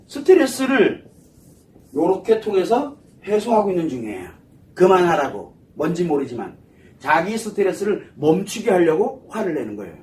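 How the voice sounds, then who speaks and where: Animated man lecturing from a distance. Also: a little high. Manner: asks the audience questions and answers them himself. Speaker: psychology lecturer. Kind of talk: lecture to an audience. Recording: voice somewhat far from the mic.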